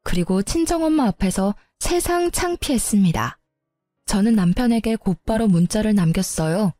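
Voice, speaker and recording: A woman's voice: medium pitch, animated, moderate pace, mellow, no room sound, soft background music. A young woman narrating a first-person story in a confiding, indignant way.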